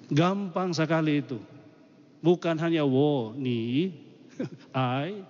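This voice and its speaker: A man's voice: on the high side, darkish tone. A male preacher giving a chatty, joking sermon, his voice ringing with cathedral echo. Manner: chatty and joking, laughs between points. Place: large church. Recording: dull recording in an echoing church.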